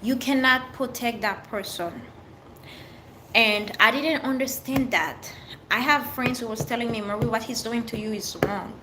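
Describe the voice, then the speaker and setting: A woman's voice: fairly high pitch, measured pace, noisy background. A middle-aged woman from Haiti with a French accent, chatting openly and earnestly on a livestream, answering viewers in short, restarting phrases. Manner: open, earnest, speaks in short fragments with restarts. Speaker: livestream host.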